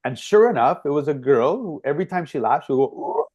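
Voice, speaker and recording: Man telling animated party stories on a video call. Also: a little high, brisk, highs cut off. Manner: animated storyteller, swears freely. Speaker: podcast co-host. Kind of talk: casual video-call chat.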